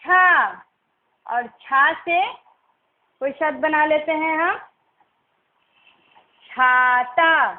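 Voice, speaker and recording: Teacher, woman, young adult: high, unhurried, patient, sounds out each syllable; tinny phone-like recording. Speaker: primary school teacher. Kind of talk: recorded online class lesson.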